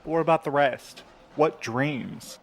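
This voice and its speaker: An actor playing a sceptical, grumbling postal worker in an audio drama, blunt and questioning. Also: male voice, on the high side, slow pace, slight background noise, low-quality recording.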